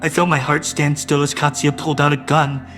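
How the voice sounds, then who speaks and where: A man's voice: on the high side, flat delivery, fairly quick, fairly bright tone, faint music behind. A man narrating a first-person audio drama in a wistful, doting way that grows uneasy.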